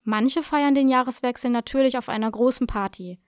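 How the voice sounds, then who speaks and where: A woman presenting a language lesson, explaining in a clear, measured, scripted way. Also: a little high, dry recording, clean studio sound.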